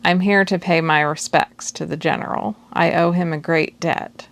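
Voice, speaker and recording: Woman doing a steely older guy, quiet and measured, low and gravelly. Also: fairly even intonation. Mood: formal. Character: charismatic older man, reserved and steely.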